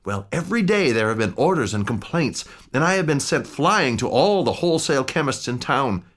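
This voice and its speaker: A man's voice: medium pitch, very animated, a little fast, a bit bright, pitched above the performer's own voice. A man voicing an anxious older butler who pleads urgently and fearfully.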